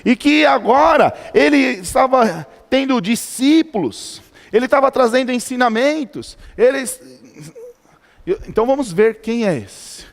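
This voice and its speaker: A Brazilian pastor preaches in a church hall, his unusually high voice trailing off into a long reverb. He teaches by posing questions and answering them himself, with many fillers and restarts. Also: animated, a little slow, gravelly. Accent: Brazilian Portuguese. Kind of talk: sermon.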